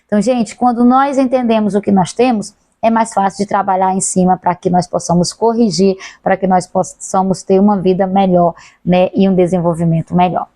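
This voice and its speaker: A woman teacher with a Brazilian accent giving a class lecture, who talks fast, swallows some words and corrects herself. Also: medium pitch, fairly even intonation, dark tone, dry recording.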